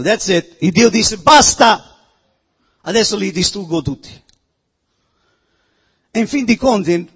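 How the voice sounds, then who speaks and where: Fervent high-voiced husky preacher man. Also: big-room sound, dull audio. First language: not Italian. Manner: fervent preaching, often shouting, with sudden drops to a hush. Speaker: pastor. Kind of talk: sermon.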